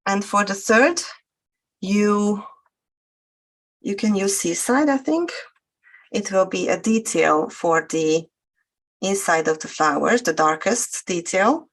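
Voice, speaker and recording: A woman with a Hungarian accent, her voice carrying a light gravelly fry. She explains each crafting step patiently, pausing often with fillers, at a middling pitch. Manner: hesitant, many fillers, explains steps slowly. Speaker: guest crafter. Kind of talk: live craft demonstration.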